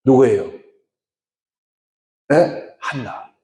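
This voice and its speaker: A man's voice: mid-range voice, lively intonation, drawn-out words, mellow. A male pastor preaching a sermon, often questioning the congregation. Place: church. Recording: echoey church hall.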